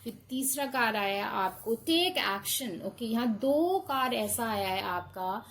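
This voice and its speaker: A woman's voice: a little high, lively intonation, unhurried, a bit bright, a little hiss or hum, rough recording. A woman doing a casual tarot card reading, reassuring her listeners and mixing in English. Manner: reassuring, often checks in with "okay" and mixes in English.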